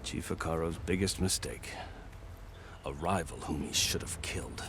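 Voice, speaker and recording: A man playing a grave tribal storyteller in a video game, speaking in a measured, ominous manner. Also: rumbling low, noisy background. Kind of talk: dramatic video game narration.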